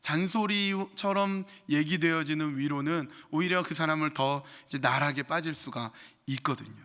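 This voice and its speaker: A man's voice: fairly high pitch, moderate pace, a bit bright, in a large hall. A middle-aged pastor preaching a sermon to his congregation, speaking to them directly with rhetorical questions and acting out other people's words in changed voices. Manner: acts out quoted speech in changed voices. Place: church sanctuary.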